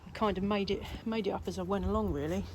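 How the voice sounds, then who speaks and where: Talking at a quick pace with medium pitch and fairly even intonation, a British woman chats as a radio hobbyist, hesitant and rambling. Radio hiss and background noise come through on the clearly noisy amateur recording.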